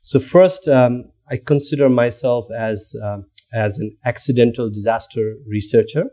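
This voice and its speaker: A Nepali researcher in his thirties, appearing as a guest lecturer, talks thoughtfully in an academic conversation. His mid-range voice has a dark tone and measured pace, with many fillers and restarts.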